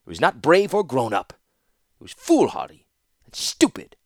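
A man's voice: fairly high pitch, huge pitch swings, moderate pace, no echo, studio quality, voice pushed up, exaggerated voice. A man voicing a stern, commanding older male master mage. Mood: cold. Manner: sharp, commanding.

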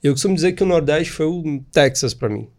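This podcast guest is a man in his thirties from Espírito Santo with a Brazilian Portuguese accent. His voice sits on the high side and moves briskly as he tells stories about his life in a casual interview. He's animated and chatty, tossing in frequent tag questions.

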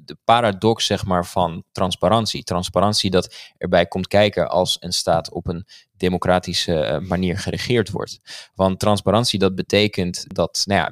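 A man with a very low, deep voice asks questions in a measured way and often pauses on fillers between words. The recording is close and dry. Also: dry recording. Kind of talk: casual conversational discussion.

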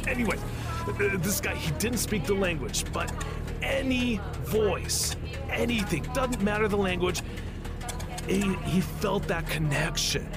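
A laid-back, slangy storyteller in an audio drama, spinning a creepy tale. His voice sits fairly high and he takes his time, with dramatic pauses. Clear music runs underneath. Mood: wry, casual. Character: casual, foul-mouthed man telling a spooky campfire story.

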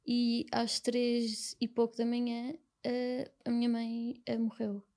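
A young woman with a European Portuguese accent, speaking as an interview guest in a soft, halting, reflective way. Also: fairly high pitch, completely flat delivery. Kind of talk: personal conversation.

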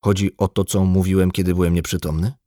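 A man's voice: sits low, flat delivery, fast, mellow, no echo, studio quality, natural voice. A man voicing a wounded, amnesiac man in an audiobook, terse and guarded. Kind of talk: audiobook dialogue.

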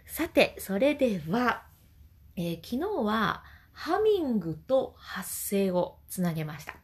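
女性ボーカルトレーナーの発声レッスン. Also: female voice, medium pitch, very animated, takes it slowly. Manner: gentle explanatory talk with sung demonstrations. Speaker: vocal trainer. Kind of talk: voice training lesson.

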